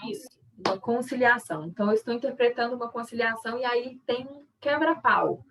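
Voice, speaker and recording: A woman's voice: fairly high pitch, brisk, distant mic, a little hiss or hum, poor audio. A woman with a Brazilian Portuguese accent, a sign language interpreter teaching an online workshop in a conversational, explanatory way with frequent tag questions.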